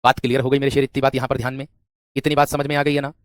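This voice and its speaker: A man's voice: mid-range voice, little pitch movement, rapid-fire, clear, resonant tone, no room sound, studio quality. A man teaching an exam-prep grammar lesson, asking the class questions and answering them himself, repeating key phrases. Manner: repeats phrases, often says "my friend".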